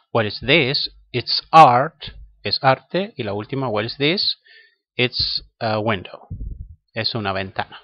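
A man teaching English in Spanish, a native Spanish speaker who patiently explains each step and repeats answers slowly. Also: mid-range voice, no echo. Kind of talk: slow language lesson. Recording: dull lo-fi audio.

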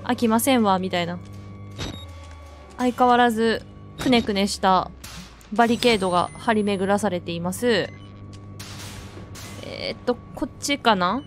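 A woman's voice: mid-range voice, measured pace, long pauses. A woman playing a horror game and commenting as she goes, jittery and jokey, who bursts into frightened shrieks. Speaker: let's play gamer. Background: faint game music.

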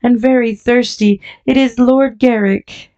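Urgent, pleading man begging for water , read by a woman in a raised, louder voice, dull lo-fi audiobook sound. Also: on the high side, steady tone, a little slow, voice pushed up, lightly acted. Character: desperate man begging water for his dying master.

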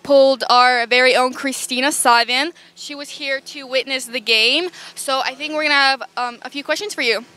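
High-voiced young woman interviewer. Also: fairly even intonation, moderate pace, few pauses, bright, forceful tone. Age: young adult. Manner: teasing, upbeat questioning. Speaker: camp recap interviewer. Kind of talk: playful on-the-spot interviewing. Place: outdoors on a grassy field. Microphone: handheld microphone.

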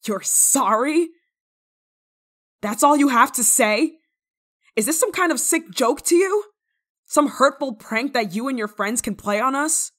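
A woman playing a stern but kind-hearted village nun in a dramatic roleplay monologue, scolding and teasing with theatrical pauses. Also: sits high, lively intonation, fairly bright tone, exaggerated voice. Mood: indignant, scolding.

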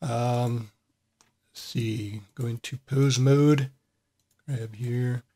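A man hosting a casual software tutorial, thinking aloud as he works with relaxed pauses. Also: mid-range voice. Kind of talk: casual screen-recorded tutorial.

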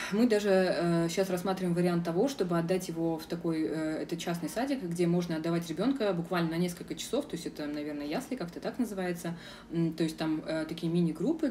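A young woman from Russia speaks frankly in a casual vlog, pausing often on filler sounds. Her voice sits a little low and sounds soft and mellow. She is recorded outdoors from some distance, with faint street noise behind her. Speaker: vlogger. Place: outdoors in a city square.

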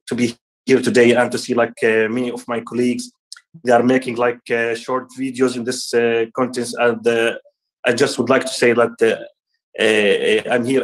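Palestinian guy in his 30s on a video call, earnest, keeps restarting words, mid pitch. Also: poor audio. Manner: gestures with hands while talking. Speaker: guest speaker. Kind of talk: online ceremony remarks.

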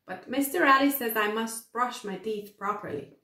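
A woman's voice: a little high, moderate pace, bright, forceful tone, pitched above the performer's own voice. A woman voicing a reluctant, grumbling dad from a children's storybook in a plaintive way. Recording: echoey room.

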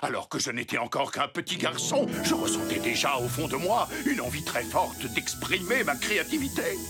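A man's voice: on the high side, sing-song, moderate pace. A man voicing a manic ageing graffiti-painter supervillain in a French cartoon dub, ranting theatrically. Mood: grandiose, bitter. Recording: music behind the voice.

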